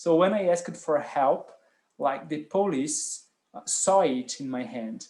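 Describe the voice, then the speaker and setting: With a Portuguese accent, a man of fairly high pitch uses lively intonation and big swings in loudness. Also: fairly slow pace. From Brazil. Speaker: English teacher. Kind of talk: interview, casual conversation.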